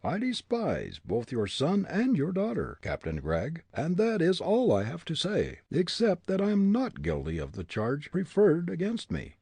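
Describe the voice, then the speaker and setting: Male reader doing a proud young prisoner, raised pitch, husky. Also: huge pitch swings, a little slow, hardly any pauses, a little mellow, dry recording, exaggerated voice. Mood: defiant. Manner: proud, scornful.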